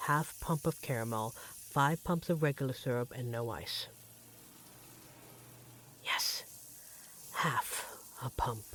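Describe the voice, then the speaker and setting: Casting: performer as a loving, playful vampire partner, mid-pitched, conversational ASMR roleplay, frying noise behind. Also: natural voice. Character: affectionate teasing vampire partner working as a barista. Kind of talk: ASMR audio roleplay, one-sided domestic dialogue. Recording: clear background noise, sizzling frying pan.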